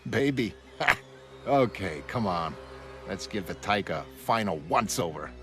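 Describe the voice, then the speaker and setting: A man's voice: lowish voice, lively intonation, unhurried, pitched below the performer's own voice. A man voicing a weary, self-mocking older writer who rambles. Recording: music underneath.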